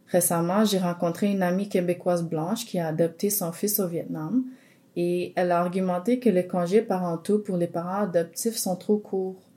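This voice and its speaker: Her tone is dark and mellow, with fairly even intonation. The woman speaks at a moderate pace and a medium pitch. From Montreal (Côte-des-Neiges), Filipino family. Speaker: podcast co-host. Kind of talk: scripted podcast dialogue.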